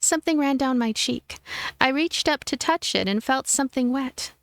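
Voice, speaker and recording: A woman's voice: high-pitched, normal speed, no echo. A woman narrating a visual novel as a let's play host, reading the story expressively. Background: background music.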